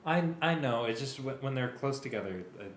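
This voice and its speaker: A man's voice: medium pitch, animated, a little fast. A man in a casual working discussion about arranging music, thinking aloud in a hesitant way. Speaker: music arranger rehearsing for a live script reading. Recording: echoey room with faint background noise.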